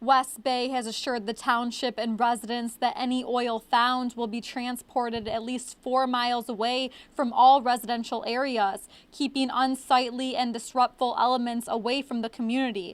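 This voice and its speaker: Here a woman talks at a moderate pace with a high pitch. Her intonation is monotone and flat. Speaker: television news reporter. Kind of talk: TV news reporter narration.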